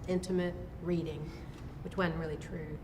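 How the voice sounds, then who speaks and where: Woman, Charleston accent, lowish voice, casual interview storytelling, reverberant hall. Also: flat delivery, normal speed, noisy background. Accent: Charleston, South Carolina. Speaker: amateur performer in a dramatic reading.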